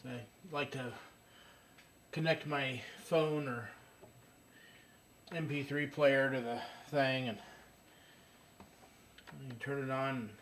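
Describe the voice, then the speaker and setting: A man casually showing his old radio at home, talking haltingly with lots of fillers and restarts. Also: medium pitch, steady tone, fairly bright tone, slight background noise. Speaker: radio collector demonstrating his radio. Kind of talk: casual show-and-tell. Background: faint music from the radio.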